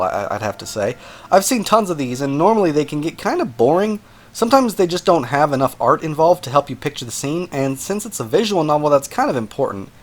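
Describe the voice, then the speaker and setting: A man narrating a casual, scripted video game review as the host, in an informal, conversational way with joking asides. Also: mid-range voice.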